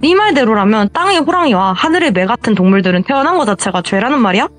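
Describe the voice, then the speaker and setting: A woman's voice: a little high, animated, fast talker, faint music behind, close to an everyday voice. Woman voicing a fierce scornful shaman. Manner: scolding, scornful.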